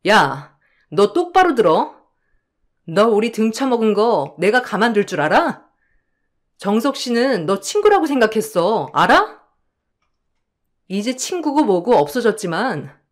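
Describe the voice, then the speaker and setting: An enraged wife, voiced by a woman in an audio drama. She scolds in sharp, loud bursts that jump up in pitch. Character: furious wife confronting a swindler.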